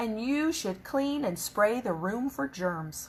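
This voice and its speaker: A woman puts on a character voice, fairly high in pitch with very wide pitch swings. She goes at a fairly slow pace over clear background noise. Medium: read story. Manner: brisk, authoritative.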